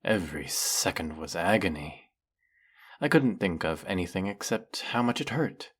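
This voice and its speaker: A man playing a flirty, fanatically devoted demon familiar in a dramatic audio roleplay, with fawning, formal diction and a breathy, husky voice. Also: low-pitched. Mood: mournful, devoted. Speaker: voice actor. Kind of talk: dramatic roleplay monologue spoken to the listener.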